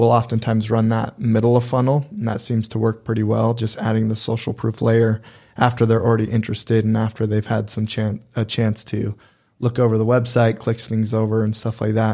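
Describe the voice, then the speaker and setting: On a very clean recording with a silent background, a man with a dark, mellow tone and medium pitch talks at a fairly quick pace. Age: 30s. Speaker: podcast host. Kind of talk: casual chat. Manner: animated.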